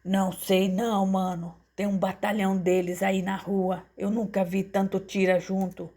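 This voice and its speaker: A woman acting a hoarse, menacing young gangster. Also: mid-range voice, little pitch movement, normal speed, dark tone, close to an everyday voice. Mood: panicked. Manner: aggressive, threatening. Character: menacing, feverish young male gangster, hot-headed.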